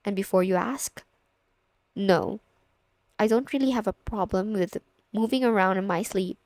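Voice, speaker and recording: A woman's voice: medium pitch, moderate pace, darkish tone, dry recording, natural voice. A young woman playing a confident, teasing older sister of a best friend in an intimate, casual ASMR roleplay spoken to the listener. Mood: reassuring.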